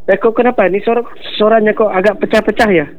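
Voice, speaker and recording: A man's voice: high-pitched, fairly even intonation, quick pace, muffled recording. A man calling in to a radio show on the phone in an easygoing, chatty way. His line clips and breaks up into distortion. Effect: clipping, distorted phone audio that breaks up. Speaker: radio call-in listener. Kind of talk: casual phone chat with the radio host. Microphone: phone call.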